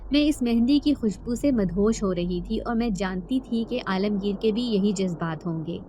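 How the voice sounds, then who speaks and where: A woman narrating a first-person horror story in a steady, even-paced reading voice. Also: medium pitch.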